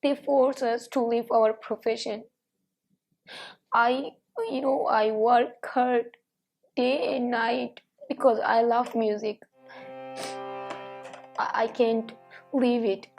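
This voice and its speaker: A woman speaks slowly and deliberately in a somewhat high voice. She sounds earnest and pleading as she makes her appeal. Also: fairly even intonation, a little mellow, soft background music. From Afghanistan. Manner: slow, pleading. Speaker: artist.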